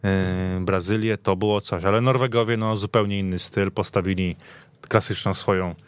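A man's voice: low-pitched, fairly even intonation, normal speed, clear, resonant tone, no room sound. A man speaking as a panel guest in a casual sports podcast discussion, telling stories in long runs. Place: radio studio.

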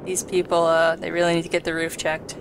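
A woman's voice: lowish voice, monotone, fairly quick, over music. A woman hosting a let's play with casual gaming commentary.

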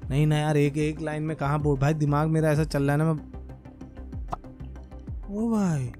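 Young man, gaming commentary, talks to himself, sudden excited outbursts, slightly high voice, faint background music. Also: normal speed. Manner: talks to himself and viewers, swings from muttering to excited shouts. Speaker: gaming YouTuber. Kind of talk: live gameplay commentary.

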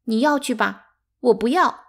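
A woman's voice: on the high side, huge pitch swings, a little fast, husky, pitched above the performer's own voice, heavily acted. A woman reading aloud, voicing an upset little girl who speaks tearfully and indignantly.

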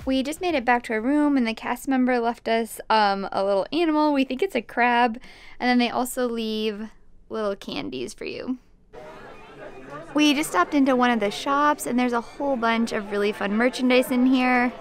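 A woman's voice: a little high, moderate pace, soft background music. A woman in her thirties, hosting a casual travel vlog with upbeat enthusiasm, filmed on a handheld camera indoors on a cruise ship. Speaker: vlog host. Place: cruise ship dining room, shops and theater, indoors. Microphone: handheld camera at arm's length.

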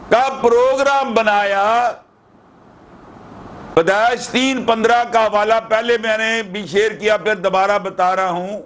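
A man's voice: very high-pitched, fairly bright tone, a little hiss or hum. A middle-aged male pastor, preaching fervently with repeated hallelujahs, on a headset mic indoors. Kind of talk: sermon. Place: indoor room with curtains.

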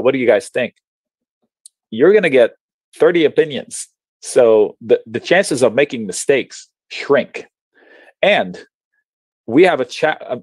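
A man from Lebanon, an options trading educator, explaining charts on a video call in a chatty, animated way with slang and frequent restarts. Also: mid-range voice, no echo. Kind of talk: casual webinar explanation while sharing charts.

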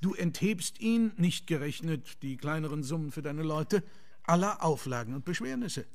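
An actor playing a genial, concerned gentleman lawyer with a formal, measured manner in a German radio drama. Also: on the high side, expressive. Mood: earnest concern.

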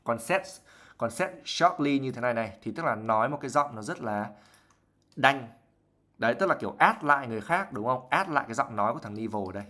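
A male English teacher explaining vocabulary in a relaxed, chatty way on a live lesson. He mixes English words into his explanations, reads passages from a novel aloud and acts out examples as he goes. His pitch sits in an ordinary middle range. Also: fast. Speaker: IELTS teacher.

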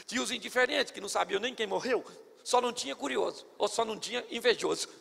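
A man's voice: very high voice, quick pace, gravelly, a bit bright, big-room sound. A male pastor preaching a sermon at a church service, theatrical and playful.

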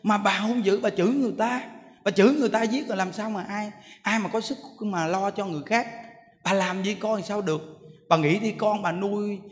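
High-voiced monk preaching animatedly. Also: male voice, brisk. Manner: animated storytelling, laughing, mimicking others. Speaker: monk giving a dharma talk. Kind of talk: sermon. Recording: long hall reverb, faint background noise.

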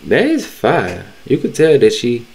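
A young man doing casual, slangy, excitable reaction commentary on a home stream. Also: medium pitch, unhurried, husky.

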